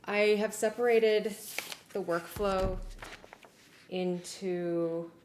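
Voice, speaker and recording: A woman hosting a casual livestream, explaining work progress in an informal, halting way as she thinks aloud. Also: medium pitch, fairly even intonation, a little mellow. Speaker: livestream host and music arranger. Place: warm indoor room. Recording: roomy echo, clear background noise.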